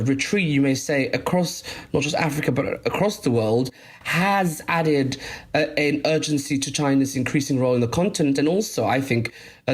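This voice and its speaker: A man in the middle of a panel discussion, laying out what he found in his reporting. His voice sits at an ordinary middle pitch, and he talks in a measured, explanatory way with frequent small fillers.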